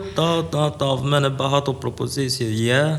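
The speaker is a man. He has a Burkinabe accent. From Burkina Faso. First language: Mooré (speaking Ukrainian). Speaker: student video blogger. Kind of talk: interview. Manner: halting.

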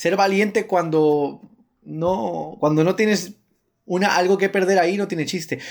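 Very clean, with a silent background, this recording features a man with a high pitch. He speaks at a fairly slow pace with ordinary pitch variation. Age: 30s. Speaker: radio host and motivational speaker. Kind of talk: interview.

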